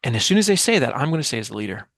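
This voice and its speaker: Very fast and sing-song, his mid-range voice a bit bright, a communication expert and author in his forties explains ideas as an interview guest. He is emphatic, asks plenty of rhetorical questions and acts out sample dialogue. He uses a headset mic on a video call, and the sound is clean and studio-like with no room sound.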